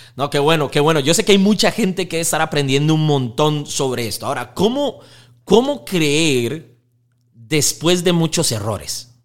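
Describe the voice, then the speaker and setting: With a Costa Rican accent, a man talks at a moderate pace, his fairly high pitch carried by lively intonation. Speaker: podcast host and entrepreneur. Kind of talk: casual conversation. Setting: home.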